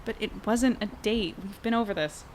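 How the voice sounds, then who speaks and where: A woman's voice: medium pitch, normal speed, darkish tone, a little hiss or hum, natural voice. A woman playing an upbeat young reporter who narrates a chatty audio journal in an audio drama. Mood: defensive, teasing. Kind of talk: conversational first-person audio drama narration.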